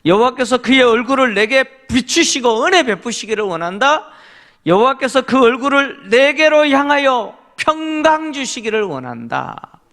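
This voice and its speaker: A middle-aged male pastor delivers a Korean sermon in a very high, sing-song voice that is fairly bright, speaking at a moderate pace. He is emphatic, poses rhetorical questions to the congregation, affirms with short interjections, and leads them in reading scripture aloud.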